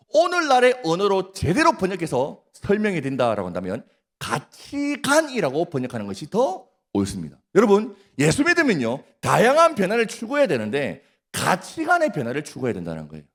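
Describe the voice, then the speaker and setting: A male pastor with a Gyeongsang accent preaching a sermon at a prayer meeting, often putting questions to the congregation and teasing them. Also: high voice. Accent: Gyeongsang Korean. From Gyeongsang region, Korea. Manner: questions the congregation, prompts replies, jokes. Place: church.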